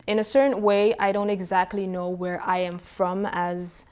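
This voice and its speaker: A woman from Suriname, a poet, answering interview questions in a hesitant way, with many pauses, ums and restarts. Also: medium pitch, steady tone, a little mellow, smooth.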